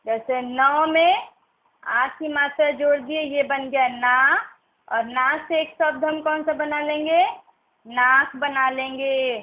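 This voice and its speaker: Teacher, woman, young adult: high, unhurried, patient, sounds out each syllable; tinny phone-like recording. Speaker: primary school teacher. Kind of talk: recorded online class lesson.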